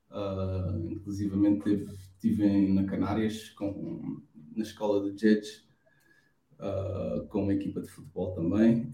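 Dark and mellow, somewhat breathy, a man's fairly slow delivery. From Cape Verde, Praia (Santiago). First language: Cape Verdean Creole (speaking Portuguese). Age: 30s. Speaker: professional basketball player. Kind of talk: interview.

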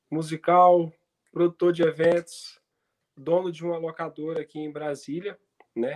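Speaking very slowly, a man uses a high voice. The sound is dry and close, with no echo. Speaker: audio technician. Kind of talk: live stream interview.

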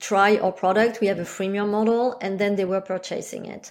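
With a French accent, a woman speaks in a monotone at a medium pitch, her intonation flat. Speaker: marketing executive and lecturer. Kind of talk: interview conversation about marketing and AI.

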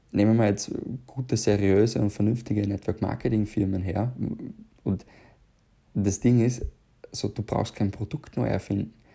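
Pausing long and often, a man with a fairly low pitch and a dark, mellow tone keeps a moderate pace and fairly even intonation. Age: 20s. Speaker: network marketer and podcast host. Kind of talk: solo podcast monologue. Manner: many fillers and repetitions.

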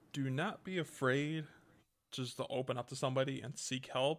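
A man with a Midwestern American accent speaks at a medium pitch in a flat monotone. The recording is very clean, with a silent background. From Indiana, US. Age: 20s. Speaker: movie podcaster. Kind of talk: casual interview chat.

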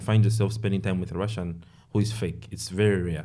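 There is audible room echo as a man with a fairly low pitch and a dark, mellow tone speaks with fairly even intonation. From Zambia. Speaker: musician. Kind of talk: interview.

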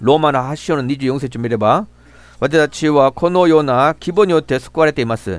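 A man speaks fairly quickly with a Korean accent. His pitch is fairly high and his intonation lively. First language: Korean (speaking Japanese). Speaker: pastor. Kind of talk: sermon.

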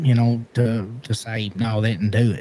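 A man speaks quietly. His pace is moderate. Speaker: podcast co-host. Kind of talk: casual chat. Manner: quiet on mic.

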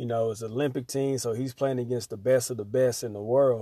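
In a dark, mellow tone, a man talks at medium pitch and a fairly quick pace with monotone, flat intonation. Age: 40s. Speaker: basketball skills coach and podcast host. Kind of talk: solo podcast talk. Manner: casual, with many fillers.

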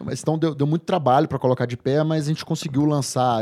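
Dark, mellow male speech, its pitch varying in an ordinary way. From Brazil, Minas Gerais (Governador Valadares). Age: 30s. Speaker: entrepreneur, company CEO. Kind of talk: interview. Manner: casual, fast, with many fillers.

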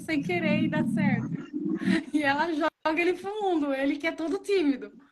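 A woman with a high pitch talks at a fairly quick pace with lively intonation. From Brazil, São Paulo state interior. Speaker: novelist. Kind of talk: casual interview.

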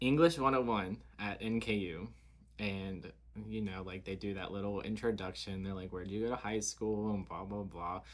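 The speaker talks at a moderate pace with a Northern Kentucky accent. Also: man. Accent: Northern Kentucky American. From Covington, Kentucky. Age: 20s. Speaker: podcast host. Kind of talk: interview conversation.

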